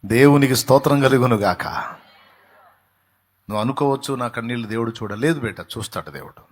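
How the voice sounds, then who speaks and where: A male pastor preaching a sermon with fervour, swinging between quiet, low passages and loud, raised outbursts. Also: moderate pace.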